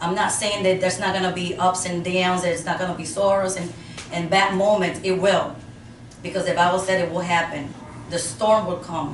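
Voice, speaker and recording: A woman's flat, monotone voice at a fairly quick pace, with audible room echo and light background noise. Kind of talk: sermon. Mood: earnest, solemn. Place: hall. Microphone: camera far.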